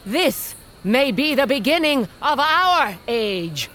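An actress playing a proud, fierce, aging tribal queen, giving solemn, deliberate oratory in an audio drama. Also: sits high, very animated, slight background noise, exaggerated voice. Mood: solemn blessing. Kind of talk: dramatic audio fiction acting. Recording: loud dramatic music behind.

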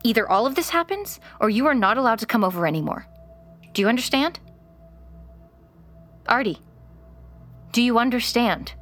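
A woman's voice: fairly high pitch, expressive, normal speed, long pauses, fairly bright tone, faint music behind. An actress in her thirties playing a worried mother in an audio drama, firm but kind. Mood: firm, caring. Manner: firm, caring.

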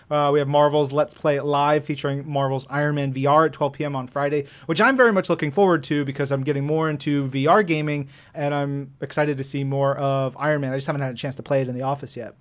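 A man's voice: fairly high pitch, fairly even intonation, fast talker, hardly any pauses. Upbeat man co-hosting a podcast. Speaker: podcast co-host. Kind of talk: casual chat reading show news.

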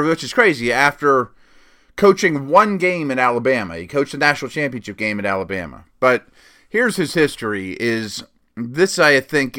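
A man's voice: medium pitch, a bit bright. A man with a stuffed-up nose talks through football news on his own podcast. His voice sits in an ordinary middle range. He rambles loosely and often doubles back on his words. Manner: rambling, lots of fillers and restarts. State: sniffly, stuffed up. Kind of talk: casual solo sports commentary.

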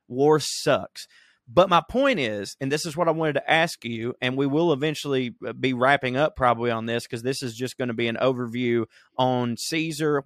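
A man co-hosting a podcast in loose, rambling talk full of jokes and swearing, with a middle-pitched voice. The sound is dry and close, with no room around it. He drifts from point to point and talks himself through his ideas. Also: dry recording. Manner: profane, rambling, joking. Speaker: podcast co-host. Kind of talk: casual comedic chat. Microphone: remote recording.

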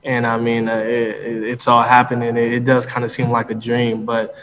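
A man, a college football player, answering reporters in a halting, earnest way with many repeated words. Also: monotone. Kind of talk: press conference answers. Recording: echoey hall with faint rumble.

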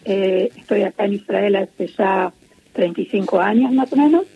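A middle-aged woman from Argentina with an Argentine Spanish accent, speaking as an interviewee in a phone interview, earnest and measured with many hesitations. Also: mid-range voice, gravelly, slightly rough. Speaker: interviewee, peace activist. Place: at home in Israel. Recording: muffled lo-fi phone line.

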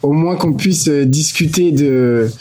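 A man hosting a podcast, reading a clear, steady intro and then chatting easily with his guest. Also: a little high, unhurried. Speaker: podcast host, social educator. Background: faint music under intro.

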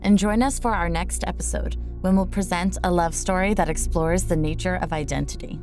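A woman's voice: fairly low pitch, fairly even intonation, a little fast, music in the background. A woman co-hosting a podcast, speaking earnestly in a thoughtful review discussion. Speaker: podcast co-host.

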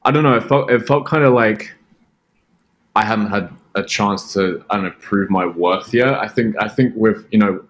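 Deep-voiced man with Australian-sounding British accent. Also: normal speed. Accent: British mixed with American, sounds Australian. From Britain. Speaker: podcast guest, music producer. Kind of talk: casual chat.

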